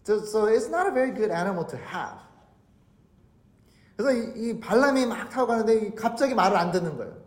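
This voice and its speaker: A woman pastor preaching a sermon as an animated storyteller who retells each part in a second language, in a church sanctuary through a pulpit mic. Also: mid-range voice, normal speed, echoey room. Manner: animated storyteller, repeats herself in two languages.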